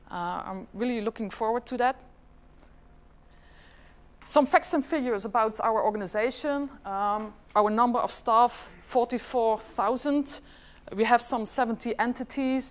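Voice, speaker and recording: A middle-aged Flemish woman whose first language is Dutch, giving a chatty conference presentation and asking the audience questions. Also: fairly high pitch. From Flanders, Belgium. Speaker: government department head giving a presentation.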